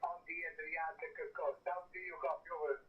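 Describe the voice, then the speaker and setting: An amateur radio operator calling stations in clipped call-sign style, heard over a shortwave link with static bursts. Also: male voice, on the high side, level tone, brisk, phone-quality sound. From Italy. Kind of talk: ham radio contact exchange. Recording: distant radio signal with faint static.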